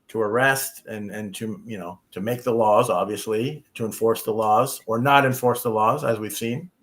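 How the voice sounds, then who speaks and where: Plain-spoken American immigration lawyer. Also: male voice, mid-range voice, a bit bright. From United States. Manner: practical, repeats himself when starting sentences. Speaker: immigration attorney. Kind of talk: casual advice on a talk show.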